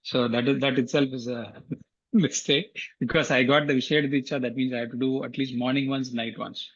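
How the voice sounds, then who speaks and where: A man's voice: medium pitch, fairly even intonation, brisk, muffled recording. A man from Tamil Nadu speaking as a guest, explaining earnestly and often repeating himself. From Tamil Nadu, India. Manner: earnest, repeats words, frequent fillers. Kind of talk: casual explanatory talk on an online call.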